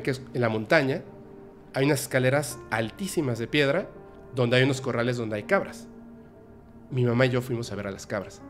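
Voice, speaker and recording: Man telling a halting, emotional story. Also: mid-range voice. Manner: halting, emotional, many restarts. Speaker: podcast host.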